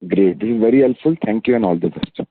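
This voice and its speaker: A man's voice: on the low side, fast, no room sound. A man with an Indian accent asking questions as an analyst on an earnings call, polite and a little hesitant. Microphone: phone. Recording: dry, thin phone line.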